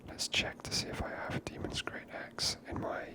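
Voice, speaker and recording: Male ASMR gaming host: whispered, close-miked, unhurried murmured commentary. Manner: unhurried, murmured thinking aloud.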